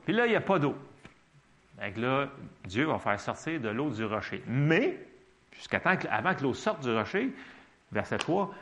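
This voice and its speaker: Animated Québécois preacher man. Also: medium pitch, gravelly. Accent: Québécois French. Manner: animated, emphatic, colloquial, throws in English words. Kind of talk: sermon.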